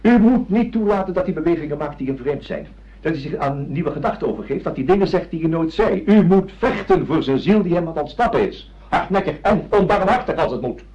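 A man acts out a pompous doctor in a radio play, lecturing with theatrical self-assurance. His fairly high voice swings widely in pitch. The recording is dull and lo-fi. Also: lively intonation, a little fast, darkish tone, slight background noise, close to an everyday voice. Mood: insistent, declamatory. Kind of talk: radio drama acting.

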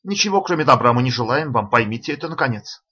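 A man voicing a calm, restrained male doctor who speaks in a measured, lowered voice. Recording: dull lo-fi audiobook recording.

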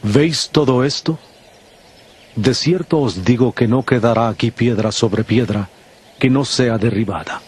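A man playing Jesus as a solemn, measured teacher warning his disciples in a dramatized audio Bible. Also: mid-range voice, darkish tone, slightly rough.

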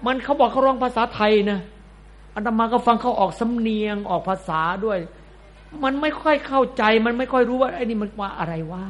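A man, a Buddhist monk, giving a sermon in a blunt, colloquial, scolding way. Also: high-pitched.

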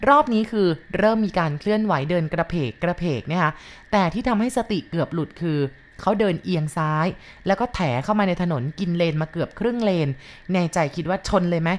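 Female storyteller, lowish voice, calm and polite, reads a listener's ghost tale steadily. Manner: calm, polite, measured retelling with soft sentence endings.

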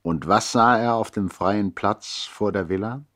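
A man narrating a 1960s German radio play in a measured, dramatic literary style. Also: fairly low pitch, a bit bright.

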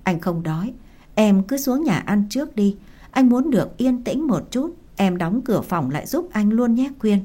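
A woman voicing a guilt-ridden, withdrawn middle-aged father in an audio story, speaking curtly and quietly. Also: mid-range voice, very animated, normal speed. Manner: curt, subdued, quiet.

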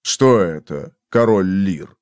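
A man voicing a gruff, tormented man in a storybook reading, speaking slowly and tersely. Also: low-pitched, lively intonation, darkish tone, no echo, studio quality, pitched below the performer's own voice. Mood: brooding. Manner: slow, heavy, terse.

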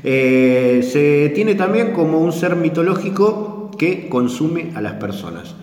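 A man's voice: fairly high pitch, sing-song, slow pace, darkish tone. South American man in an echoey room. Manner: hesitant, many "eh" fillers, storytelling tone. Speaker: radio show host. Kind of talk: casual explanatory radio chat. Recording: echoey room with long reverb.

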